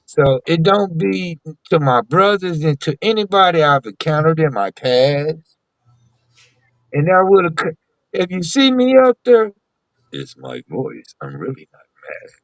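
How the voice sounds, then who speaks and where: A male radio host with a raspy, carrying voice, speaking in a drawn-out, emphatic, opinionated way. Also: a little high, very animated, no room sound, poor audio. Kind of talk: casual radio chat.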